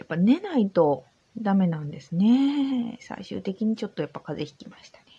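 A woman with a dark, mellow tone and a somewhat breathy voice speaks at a moderate pace and medium pitch. Her pitch swings very widely, and her loudness rises and falls in big swings. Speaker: podcaster. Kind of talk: casual solo monologue while drinking. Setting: home recording in an old house.

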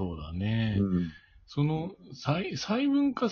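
A man speaks at a moderate pace. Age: 50s. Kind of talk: casual chat.

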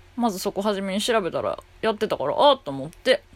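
Speaking with a Kansai accent at a fairly quick pace, a woman uses very wide pitch swings from a fairly high pitch. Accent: Kansai Japanese. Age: 30s. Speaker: comedian. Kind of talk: casual solo talk. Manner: loud.

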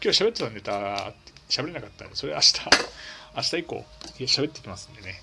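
Music plays in the background as a man speaks at a medium pitch. His pitch swings very widely, and he takes long, frequent pauses. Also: fairly quick pace. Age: 30s. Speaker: podcaster. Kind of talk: solo casual monologue. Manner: casual, frequent fillers.

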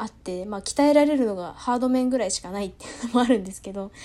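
A woman with a high pitch speaks in a relaxed, dark, mellow tone with lively intonation. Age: 20s. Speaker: podcast host. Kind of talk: solo casual talk. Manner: relaxed with filler words.

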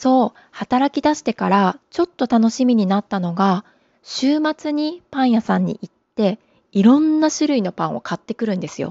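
Her voice is fairly high, with lively intonation and a calm tone. The woman keeps a moderate pace. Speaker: podcaster, mother. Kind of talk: solo monologue.

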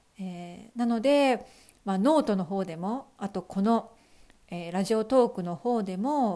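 A woman speaks in a normal speaking voice at medium pitch, with lively intonation and a fairly slow pace, on a very clean recording with a silent background. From Japan, Okayama. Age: 40s. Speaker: podcaster and Japanese teacher. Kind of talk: solo podcast monologue.

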